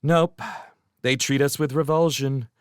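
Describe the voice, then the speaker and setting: A man's voice: mid-range voice, steady tone, measured pace, smooth, dry recording, studio quality, pitched above the performer's own voice, lightly acted. A man reading aloud, voicing a shifty spirit disguised as a street orphan, speaking in a sulky, whiny way. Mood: sulky complaining.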